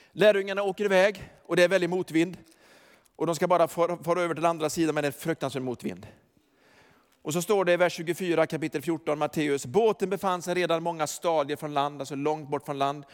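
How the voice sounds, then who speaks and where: A pastor preaching in a high, light voice that carries through a reverberant church hall. He moves from hushed, chuckling asides to loud, emphatic declarations. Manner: chuckles often while telling. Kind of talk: sermon. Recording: long reverb of a large hall.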